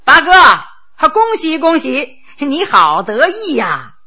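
A woman's voice: high-pitched, big pitch swings, a little slow, bright, forceful tone, full character voice. A woman storyteller voicing a younger Qing prince, a grinning schemer who teases and mocks his elder brother. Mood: teasing. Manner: brash, teasing and mocking.

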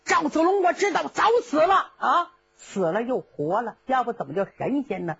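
Woman voicing a gruff enemy commander. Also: sits high, lively intonation, normal speed, fairly bright tone, highs cut off, heavily acted. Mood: hostile. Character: fierce enemy male commander.

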